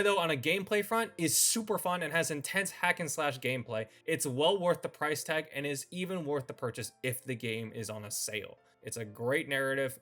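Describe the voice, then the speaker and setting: A man's voice: medium pitch, bright, forceful tone. A man presenting semi-scripted review commentary as the host of a video channel. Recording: voice-over with music behind.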